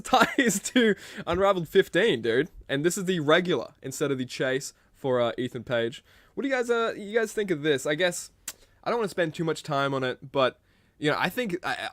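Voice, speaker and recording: A man's voice: fairly high pitch, a bit bright, dry recording, clean studio sound. A man with an Australian accent hosting a casual podcast chat, joking and laughing often. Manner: laughing, playful teasing. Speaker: podcast host.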